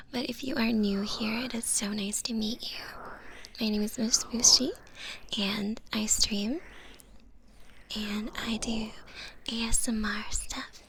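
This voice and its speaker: A young woman whispers very slowly into a close microphone, hosting a playful ASMR stream. Her voice sits a little high, with a gravelly edge in the breath. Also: background noise. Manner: soft whispering, giggly, playful. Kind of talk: whispered ASMR livestream chat.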